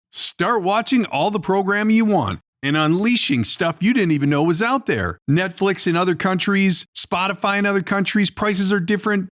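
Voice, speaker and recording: Male podcast host, American, animated delivery, close dry sound. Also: high-pitched, dry recording. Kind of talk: casual interview chat and ad reads.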